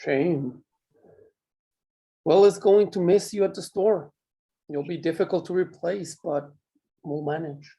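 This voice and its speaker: A man acting a menacing mine boss in a drama table read, speaking in measured, condescending threats. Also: on the high side, dark tone. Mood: cold, threatening. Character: menacing, controlling male mine boss, coolly cruel.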